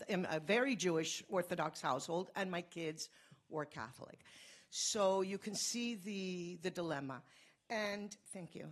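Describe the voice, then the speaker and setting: A woman from Cuba giving a fast, earnest conference talk, telling a personal story. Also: mid-range voice, husky. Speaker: conference speaker.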